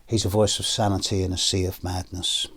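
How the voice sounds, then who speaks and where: A hoarse British man with a deep, fairly low voice, speaking slowly and with a cough in a personal video. He is middle-aged and talks to his viewers in a measured way, with pauses and fillers. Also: little pitch movement, a bit bright, a little hiss or hum. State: hoarse and coughing after illness. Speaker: astrologer.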